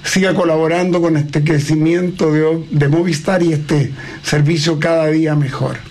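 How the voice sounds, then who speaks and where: A man's voice: a little high, steady tone, moderate pace, darkish tone. A man hosting a radio show, asking questions in a friendly, chatty manner. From Chile. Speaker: radio host.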